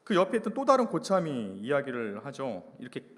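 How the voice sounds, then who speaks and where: Animated male pastor in a reverberant church. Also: medium pitch, a little fast. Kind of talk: sermon. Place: church hall. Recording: long church-hall reverb.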